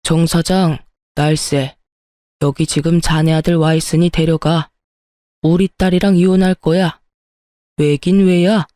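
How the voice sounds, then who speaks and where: Brief: woman voicing an irate older dad, low gruff timbre, dry close delivery. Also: fairly even intonation, measured pace, long pauses, warm tone, dry recording. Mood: exasperated. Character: older man, angry father defending his daughter.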